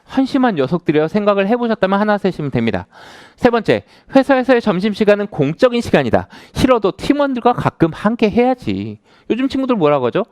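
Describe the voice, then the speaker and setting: Animated lecturing man in his thirties. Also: sits high, quick pace, no echo, clean studio sound. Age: 30s. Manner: conversational, asks the audience questions. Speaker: author giving a lecture. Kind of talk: lecture to a live audience.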